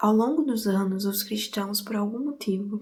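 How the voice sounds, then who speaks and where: Soft-spoken and somewhat breathy, a woman talks at a moderate pace with a fairly high pitch and a dark, mellow tone. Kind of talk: devotional reflection to camera. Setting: at home, living room. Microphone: no microphone, chargers dead, audio may be poor.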